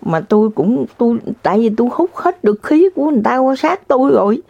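A woman's voice: on the high side, expressive, fast, vocal fry, mellow, no room sound. Dramatic woman storyteller. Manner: dramatic, exclamatory, speaks straight to the audience. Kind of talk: casual storytelling to viewers. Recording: dull lo-fi dry recording.

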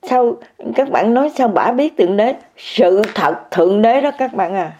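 Older woman, mellow voice, personal testimony, repetitive and emphatic, talks straight to listeners. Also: on the high side, lively intonation, normal speed, slight background noise. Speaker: meditation practitioner sharing an experience. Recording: muffled lo-fi recording.

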